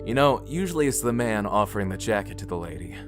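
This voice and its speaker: A man's voice: lowish voice, animated, quick pace, lightly acted. A young man playing a grumbling, wry young prince in a fan audio drama. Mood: wry banter. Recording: music playing behind. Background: music.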